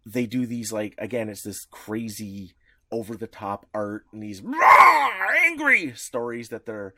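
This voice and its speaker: A man's voice: on the low side, very animated, measured pace, sharp tone. A man co-hosting a podcast in casual chat, talking loosely with restarts and the odd swear word. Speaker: podcast co-host.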